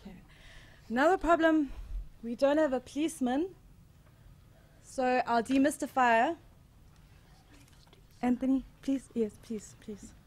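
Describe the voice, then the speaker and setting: A woman's voice: high voice, measured pace, long pauses. A woman speaking as a director, giving a live spoken introduction to an audience.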